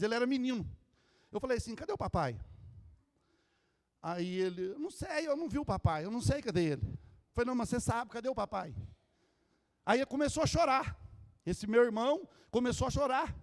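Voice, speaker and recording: A Brazilian pastor with a very high, strained voice preaches with fervent intensity, shouting his points before dropping to a hushed storytelling tone. His voice rings out through a large church hall with a long, lingering reverb. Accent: Brazilian Portuguese. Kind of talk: Pentecostal sermon, shouted preaching.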